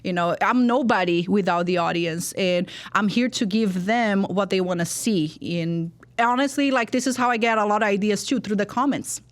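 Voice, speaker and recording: A woman's voice: medium pitch, normal speed, few pauses. A woman from Brazil, a native Portuguese speaker with a Brazilian accent, chatting animatedly as a podcast guest and laughing often. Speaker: podcast guest, social media creator. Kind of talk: casual conversational interview.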